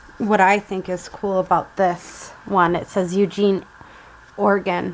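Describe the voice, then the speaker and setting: With noticeable background noise behind her, a woman speaks at medium pitch in a monotone, flat intonation at a fairly slow pace. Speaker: crafter. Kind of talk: craft tutorial. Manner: casual, rambling.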